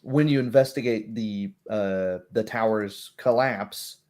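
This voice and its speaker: A man's voice: fairly low pitch, slow pace, a little mellow. A man chatting casually about tabletop games, acting out little asides as he explains. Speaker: tabletop roleplay show host.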